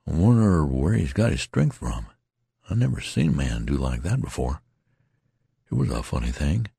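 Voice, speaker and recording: A man's voice: a bass voice, sing-song, moderate pace, gravelly, warm tone, husky, dry recording, clean studio sound, heavily acted. A man voicing a wounded rustic soldier who muses and rambles in a homespun drawl. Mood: musing. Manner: homespun drawling dialect, musing.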